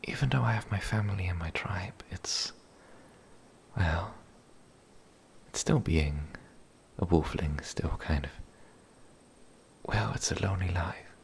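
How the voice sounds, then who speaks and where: A man playing a lonely, gentle, shy young werewolf in a whispered ASMR roleplay, speaking breathily, softly and haltingly. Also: slight background noise, full character voice. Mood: hesitant, wistful. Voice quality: breathy whisper, low and creaky. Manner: hesitant, halting, soft-spoken.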